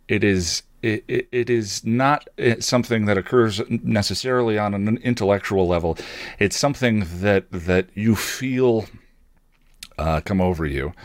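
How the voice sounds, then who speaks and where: A man telling a personal story as a podcast host, reflective and wry, halting now and then as he searches for words. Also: on the low side, no room sound, studio quality.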